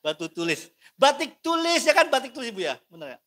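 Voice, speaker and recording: Animated, bright-voiced male pastor. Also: very high voice, moderate pace. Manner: animated, playful, questioning the congregation. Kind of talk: sermon.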